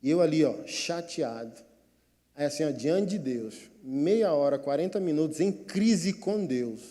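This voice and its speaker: A Brazilian pastor preaches, telling a story with emotion and acting out his inner dialogue. His voice is fairly high but mellow. A long reverb from a large hall surrounds him. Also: animated, unhurried. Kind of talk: sermon.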